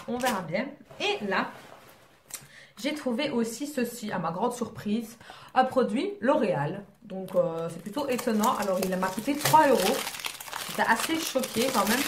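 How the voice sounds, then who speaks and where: A chatty young woman talks through her purchases in a loose, self-mocking way, often trailing off into fillers. Her voice sits at a middling pitch. The room around her is echoey, with faint noise underneath. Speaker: beauty vlogger. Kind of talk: casual haul chat.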